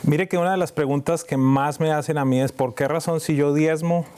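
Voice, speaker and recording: A man from Colombia, a pastor and financial consultant, explaining money matters in a steady, teacherly way as a guest in a television studio. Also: fairly high pitch, fairly quick, clean tone. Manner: steady, teacherly, quotes scripture.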